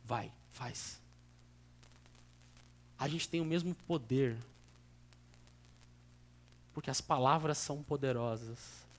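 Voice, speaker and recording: A young man preaching in a church in Brazilian Portuguese with a São Paulo accent, conversational and earnest, moving between soft asides and sudden emphatic bursts. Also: medium pitch. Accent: São Paulo state Brazilian Portuguese. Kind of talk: sermon.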